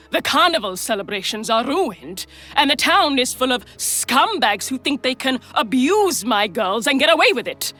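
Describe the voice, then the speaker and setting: Wry, theatrical madam, music behind. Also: female voice, sits high, fairly bright tone, full character voice. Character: worldly, sardonic, protective brothel madam. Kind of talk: scripted game dialogue.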